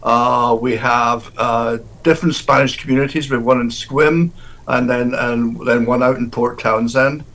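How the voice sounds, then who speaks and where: A man, a deacon, answering interview questions in a halting way, often restarting and repeating words. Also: medium pitch, steady tone, fairly bright tone, poor audio.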